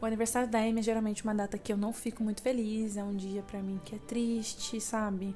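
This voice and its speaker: With hardly any pauses, a woman speaks at a fairly quick pace in a fairly high, monotone voice with flat intonation, over noticeable background noise. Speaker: podcast host. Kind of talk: casual monologue. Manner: fast.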